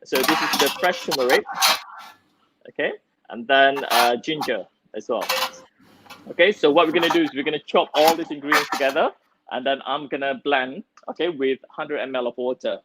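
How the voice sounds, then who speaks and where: A man's voice: medium pitch, moderate pace, very noisy. A man, a chef leading a cook-along demonstration. He talks in a chatty way, with many fillers and restarts, and laughs easily. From Malaysia. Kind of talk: cook-along demonstration over a video call. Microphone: video call.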